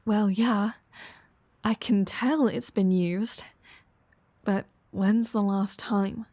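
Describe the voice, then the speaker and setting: Slow-talking teasing vampire woman, acted by a woman. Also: mid-range voice, fairly even intonation, warm tone, dry recording. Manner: teasing, dry, sarcastic. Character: flirty, teasing female vampire, sardonic and playful. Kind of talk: audio roleplay addressed to the listener.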